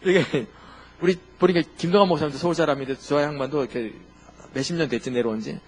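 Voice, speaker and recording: A man's voice: on the high side, fast. A man preaching a sermon as pastor, often asking the congregation questions and laughing at his own jokes. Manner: lively, emphatic preaching with sudden loud and quiet turns.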